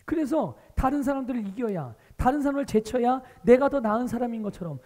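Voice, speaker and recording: A male pastor preaching a Sunday sermon, animated, asking the congregation rhetorical questions. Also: very high-pitched, long reverb tail. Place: church sanctuary.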